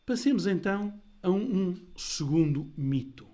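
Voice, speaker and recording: A man giving a measured, deliberate history lecture. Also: high voice, lively intonation, dark tone. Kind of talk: scripted history talk.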